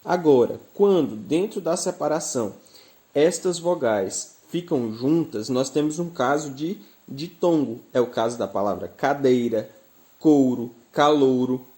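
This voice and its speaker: Brazilian male teacher, dark mellow tone, mid pitch, patient and clear, leans on example words. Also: lively intonation, a little slow. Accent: Brazilian Portuguese. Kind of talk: recorded grammar lesson.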